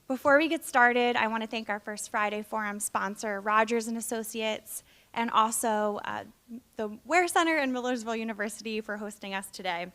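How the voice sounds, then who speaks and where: Woman, fairly high voice, event host, prepared welcome and speaker introduction. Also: moderate pace, a bit bright.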